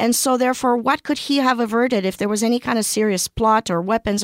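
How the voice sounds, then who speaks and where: A woman speaks in an ordinary speaking voice with a fairly high pitch and ordinary pitch variation. The recording is very clean with a silent background and a dry, close sound with no echo. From Romania, raised in Canada from age eleven. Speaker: former far-right recruiter turned activist. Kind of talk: interview testimony.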